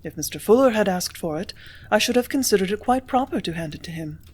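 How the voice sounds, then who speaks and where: A woman reading the part of a composed young office clerk who answers quietly, firmly and tartly. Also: mid-range voice, lively intonation, fast, slight background noise, natural voice. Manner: quiet, firm, tart.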